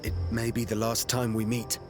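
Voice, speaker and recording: An actor playing a confident, loyal young warrior in a video game. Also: male voice, mid-range voice, monotone, normal speed, over music, natural voice. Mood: resolute. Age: young adult.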